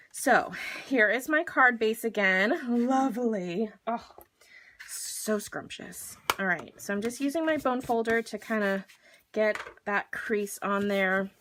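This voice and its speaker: A woman's voice: a little high, a bit bright, a little hiss or hum. Bubbly woman demonstrating card-making live. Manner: bubbly, gushing and chatty; talks to viewers while working with her hands. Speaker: craft demonstrator hosting a live stream.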